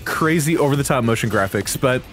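A young man gives casual reaction commentary as a video host. His mid-pitched voice moves up and down a lot, and he talks in easy slang. Music plays faintly behind him. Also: brisk. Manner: slangy, animated.

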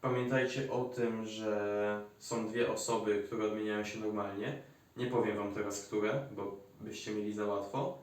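A man's voice: on the low side, level tone, moderate pace. A man with a Polish accent teaching Italian grammar at a whiteboard, talking in a chatty way with joking asides. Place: room by a whiteboard. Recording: very echoey room, mic at a distance.

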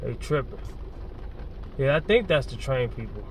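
A man's voice: medium pitch, very animated, moderate pace. A man vlogging while he drives, talking casually to himself and grumbling about the other drivers. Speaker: fitness vlogger. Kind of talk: casual driving commentary. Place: car in the rain. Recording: distant phone mic with rain noise. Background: rain and traffic noise.

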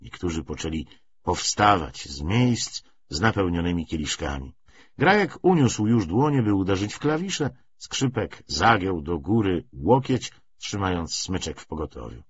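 A man reading literary narration for an audiobook in an expressive, measured storytelling way. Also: low-pitched, husky. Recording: dull, muffled lo-fi recording.

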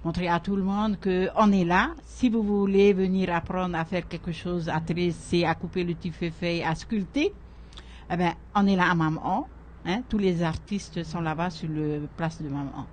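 An older woman, a radio guest who invites listeners warmly and echoes what others say. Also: on the low side, fairly even intonation, moderate pace, slight background noise. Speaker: guest, craft federation president. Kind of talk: radio studio interview. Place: radio studio. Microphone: studio microphone on a stand.

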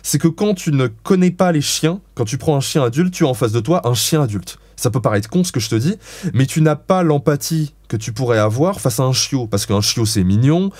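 A man's voice: mid-range voice, expressive, brisk, a little mellow, no echo. A man giving dog-training advice as an interview guest, explaining in a frank, blunt way with casual swearing.

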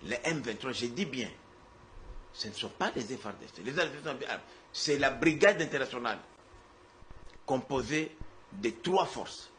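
A man speaking as a guest on a political TV debate, deliberate and searching for names with frequent hesitations. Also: medium pitch, lively intonation, fairly bright tone, slight background noise. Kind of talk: studio debate talk. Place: TV studio.

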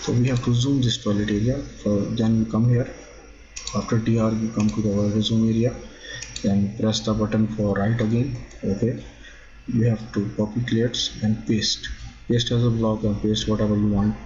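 A man with a fairly low voice gives a screen-recorded software tutorial in halting. He stops often on "okay" as he walks through each step. The sound is dull and lo-fi, from a basic computer mic. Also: flat delivery. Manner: halting, repeats "okay" often, non-native phrasing. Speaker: drafting instructor.

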